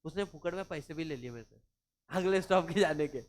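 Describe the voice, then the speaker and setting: A man from Maharashtra, India, with a somewhat high voice and a slightly fast pace, teaches law in a chatty, informal classroom lecture. He mixes in English and acts out anecdotes.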